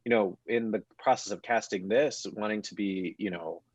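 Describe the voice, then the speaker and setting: Male, about 30, lower register, thoughtful and halting panel guest, dry but dull-sounding audio. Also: dry recording. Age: 30s. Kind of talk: reflective panel conversation. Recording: muffled, dull online-call audio.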